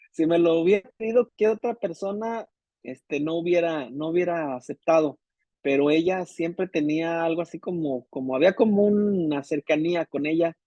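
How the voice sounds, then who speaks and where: A man recounts his conversion to a pastor in a somewhat high, mellow voice. He speaks haltingly, restarting phrases as the emotion of the memory comes back. The audio is dry and dull, like an online call. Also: no room sound. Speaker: church member giving testimony. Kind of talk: personal testimony in conversation.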